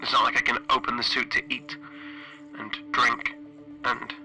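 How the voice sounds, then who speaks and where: A man playing a weary, frightened spaceship engineer in a solo role-playing game, recording a halting, hesitant audio log. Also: medium pitch, level tone, over music, natural voice, poor audio. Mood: worried. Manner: hesitant, halting, broken phrasing.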